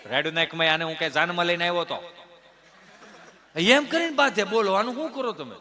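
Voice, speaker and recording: A man with a Kathiawadi Gujarati accent performing a stand-up comedy monologue, telling stories in an animated way and acting out family members. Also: high voice, a little fast. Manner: animated storyteller who mimics family members.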